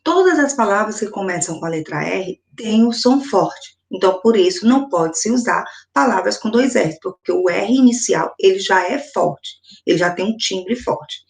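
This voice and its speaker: A woman with a Brazilian accent teaching a first-grade video lesson, speaking slowly and emphatically and repeating each example word. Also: medium pitch, animated, creaky. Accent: Brazilian Portuguese. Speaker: primary school teacher.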